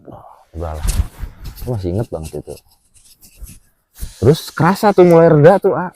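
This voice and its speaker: A man telling his personal experience in a casual chat, animated and full of fillers. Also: a little high, moderate pace, a little hiss or hum. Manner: animated, with frequent filler "ah" and "A", acts out gestures while telling.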